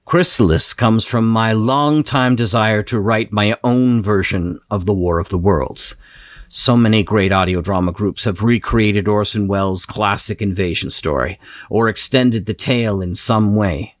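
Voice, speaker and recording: Brief: male writer speaking earnestly; low-ish, dry. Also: a little slow, no echo. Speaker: writer of an audio drama. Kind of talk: scripted commentary.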